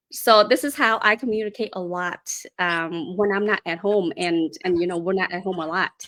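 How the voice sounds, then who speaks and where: A bright, sharp tone comes with a Vietnamese accent. The pace is moderate and the pitch variation ordinary. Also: woman, medium pitch for a woman. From Vietnam, moved abroad at eleven. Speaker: business owner. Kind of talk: casual chat. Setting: livestream. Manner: halting, many fillers.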